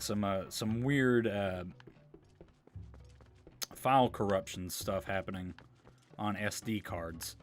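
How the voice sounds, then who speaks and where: This streamer's voice sits on the low side with a fairly bright tone. He banters with his audience while playing, using loose slang and the occasional curse word.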